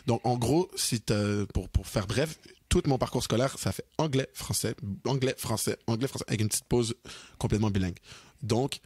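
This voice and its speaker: A young man with a Québécois French accent, co-hosting a podcast in casual, animated chat, mixing in English and slang. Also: mid-range voice, moderate pace, husky, no echo, studio quality. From Quebec, Canada. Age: young adult. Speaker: podcast co-host.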